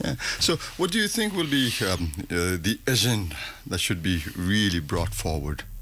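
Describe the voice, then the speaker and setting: A man's very deep, low voice in a Nepali accent, fairly slow with lively intonation, over light background noise. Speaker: radio host. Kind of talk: interview. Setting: radio studio. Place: studio.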